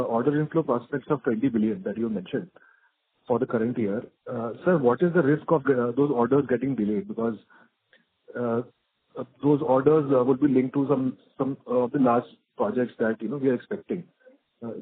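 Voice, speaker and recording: Husky Indian man on phone line. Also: mid-range voice, moderate pace, dry recording. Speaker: investor caller asking questions. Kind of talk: polite hesitant questioning. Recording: narrow dry phone line.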